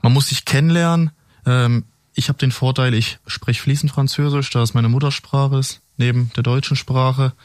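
A man's voice: medium pitch, steady tone, moderate pace, dry recording, studio quality. Matter-of-fact male police officer. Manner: matter-of-fact, practical telling. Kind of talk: interview answers.

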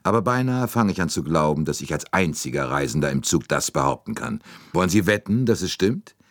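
A man's voice: very deep voice, big pitch swings, brisk, exaggerated voice. A man voicing a brash American detective who drawls and speaks bluntly.

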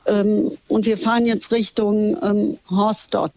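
A woman's voice: medium pitch, little pitch movement, slow pace, dark tone, no room sound. A woman tour guide calling in to a radio show, cheerful and hesitant, with many ums and ahs. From Germany. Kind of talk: casual chat over the phone. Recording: dull, muffled phone line.

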